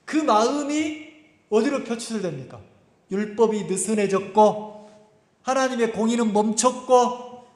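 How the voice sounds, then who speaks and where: A man's voice: high voice, a bit bright. A male pastor preaching a sermon, peppering the congregation with questions and drawing out words for emphasis. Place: church sanctuary. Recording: echoey hall reverb.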